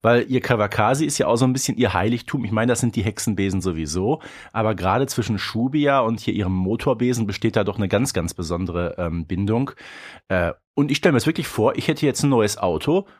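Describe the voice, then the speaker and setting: A man's voice: lowish voice, animated, a little fast. A man co-hosting a podcast, chatting in a colloquial, playfully opinionated way. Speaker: podcast co-host. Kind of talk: casual podcast chat.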